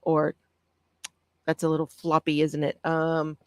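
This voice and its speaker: A woman hosting a casual live stream, with a soft, calming voice, reading out notes on breathing and answering viewer comments. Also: sits low. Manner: gentle, reads aloud with pauses and answers viewer comments. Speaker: craft channel host.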